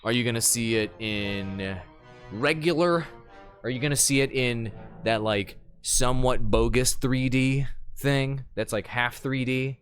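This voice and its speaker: A man's voice: medium pitch, a little slow, a bit bright. Male game streamer with music behind. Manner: slangy, joking, talks to chat. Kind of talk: casual live gameplay commentary, chatting with viewers. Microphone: streaming microphone.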